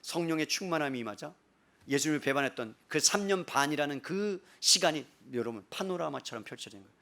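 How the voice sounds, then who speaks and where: A male pastor preaching a Sunday sermon, animated, firing rhetorical questions at the congregation and swinging between loud bursts and hushed passages. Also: fairly high pitch, fast, gravelly.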